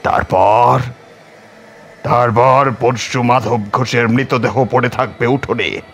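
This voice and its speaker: A man's voice: mid-range voice, steady tone, slow, fairly bright tone, pitched above the performer's own voice. A man voicing a vengeful, half-mad tantric ascetic in an audio story, snarling dramatic threats. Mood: gloating menace.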